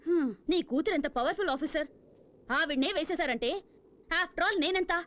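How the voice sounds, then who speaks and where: An actress playing a brash, defiant young female pickpocket in a Telugu comedy film, scornful and streetwise, quick to retort. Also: high-pitched, fairly bright tone. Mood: scornful refusal.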